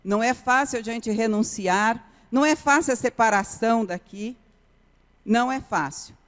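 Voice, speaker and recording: A missionary woman preaching in a church sanctuary tells an earnest testimony, repeating key phrases again and again. Her slightly bright voice is on the high side and moves at a moderate pace, and the hall is reverberant.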